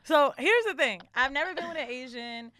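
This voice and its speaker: A woman's voice: high-pitched, animated, brisk, crowd noise. A woman podcast co-host chatting casually and explicitly in a studio, blunt, slangy and profane.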